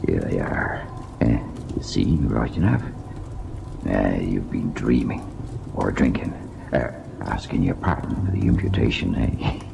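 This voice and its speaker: A man's voice: rumbling low, animated, unhurried, vocal fry, exaggerated voice. An actor playing a bluff, skeptical village doctor who teases his friend in colloquial old-time radio drama style. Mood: teasing, skeptical. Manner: bluff, colloquial, peppered with "eh" and "aye". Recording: muffled, noisy old radio recording.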